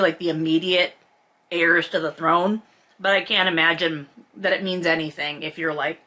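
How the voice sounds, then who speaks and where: Woman, bright forceful voice, book read-along host, sarcastic commentary, blunt, sweary, exasperated. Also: on the low side. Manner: sarcastic, emphatic. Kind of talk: reading aloud with sarcastic casual commentary.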